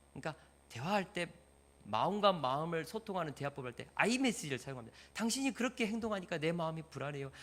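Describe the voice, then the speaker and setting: Pastor guy preaching, bright voice, kinda high, keeps asking the room questions. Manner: lively, asks the congregation questions and acts out example dialogues. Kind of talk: sermon.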